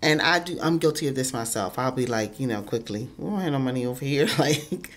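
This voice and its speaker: A woman's voice: a bass voice, lively intonation, a little fast. A woman vlogger talking earnestly into her phone, stuffy-nosed and congested, with lots of ums and repeated words. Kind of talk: casual motivational talk to camera.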